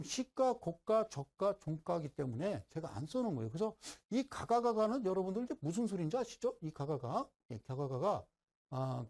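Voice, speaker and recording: A man's voice: high-pitched, dark tone. A middle-aged man giving a broadcast stock-investing lecture, who keeps asking listeners "right?" and teases them.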